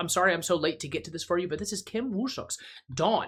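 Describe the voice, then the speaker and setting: Bright and sharp in tone, a man speaks in a raised, projected voice. His intonation is lively. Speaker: music reaction youtuber. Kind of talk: casual video commentary.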